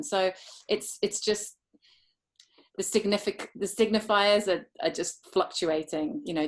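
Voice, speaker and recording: A woman's voice: deep voice, gravelly. A woman speaker answering a question after her talk, thoughtful and rambling, with many restarts. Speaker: dharma speaker.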